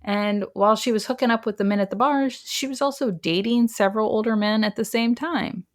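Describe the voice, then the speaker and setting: A woman's voice: on the high side, brisk. A woman hosting a podcast, recounting a true crime case in a chatty, wry way with frequent laughs. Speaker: podcast host. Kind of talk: casual true crime storytelling.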